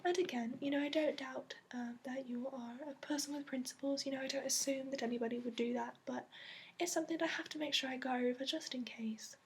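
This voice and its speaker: Woman as fantasy dragonology instructor, very high soft voice, put-on accent, halting, gentle ASMR delivery, audible background noise. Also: steady tone. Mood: patient, earnest. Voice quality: soft, often slipping into whisper. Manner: hesitant, explanatory, frequent ums. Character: gentle female instructor briefing new dragon companion recruit. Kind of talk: soft-spoken ASMR roleplay.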